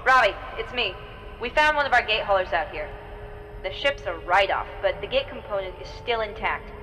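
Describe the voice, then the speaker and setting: A woman playing a steady, caring space crew leader in a sci-fi audio drama. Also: medium pitch, normal speed, big-room sound, a little hiss or hum, low-quality recording. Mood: businesslike.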